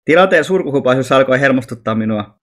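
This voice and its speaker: A man narrating an audiobook in a steady, even voice of middling pitch. He reads at an ordinary pace, now and then stumbling over a word and correcting himself. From Finland. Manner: steady reading with occasional slips.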